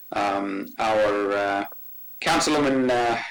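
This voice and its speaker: A man speaks with some audible echo from the room. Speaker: township council member. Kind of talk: council meeting report. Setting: video call. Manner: halting, many fillers.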